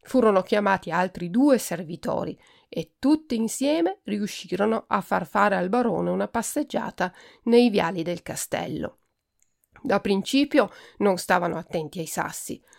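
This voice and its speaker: Gravelly-voiced woman reading a storybook. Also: mid-range voice, expressive, unhurried, darkish tone. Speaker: podcast host reading a children's book.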